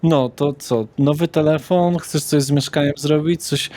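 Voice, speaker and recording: A man's voice: fairly high pitch, steady tone, unhurried, dark tone, no echo. A man running a tabletop roleplaying game, speaking in character in a blunt, slangy way with frequent swearing. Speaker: game master.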